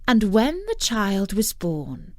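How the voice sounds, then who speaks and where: A woman's voice: mid-range voice, sing-song, slow pace, darkish tone, no room sound, studio quality. A woman narrating a fairy tale as a storyteller reading from a script.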